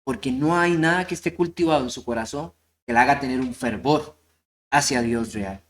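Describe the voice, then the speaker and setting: Man, preacher, sermon, earnest storyteller, mid pitch. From Costa Rica. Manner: storytelling, earnest, slows down for emphasis.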